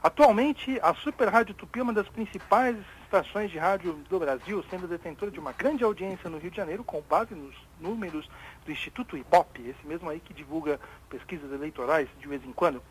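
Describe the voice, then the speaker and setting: Higher-voiced Brazilian radio co-host, hesitant. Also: male voice, fairly quick, slight background noise, rough recording. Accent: Brazilian Portuguese. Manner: hesitant, many restarts, then reads news aloud. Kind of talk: casual radio talk show chat.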